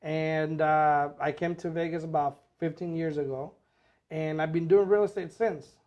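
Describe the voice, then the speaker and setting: A man co-hosting a casual podcast as a real estate agent, relaxed and chatty with many fillers. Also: fairly high pitch, moderate pace, highs cut off. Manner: relaxed, repeats himself, filler-heavy.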